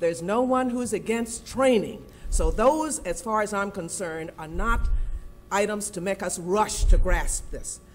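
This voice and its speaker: With music in the background, a woman with an American accent speaks fairly slowly at medium pitch, with ordinary pitch variation and big swings in loudness. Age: 70s. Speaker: citizen speaking at public comment. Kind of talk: public comment at county board meeting. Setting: county board meeting. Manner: formal.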